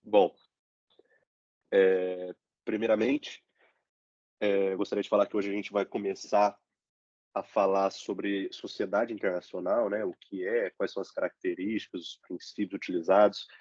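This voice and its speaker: A young man with a Brazilian Portuguese accent, stuffy-nosed from a cold, teaching an online review lesson slowly with many fillers. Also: sits low, little pitch movement, a little mellow, no room sound. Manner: slow, halting explanation with frequent "né?" fillers. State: congested, stuffy nose from a cold. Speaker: teaching assistant. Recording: dull, lo-fi dry computer recording.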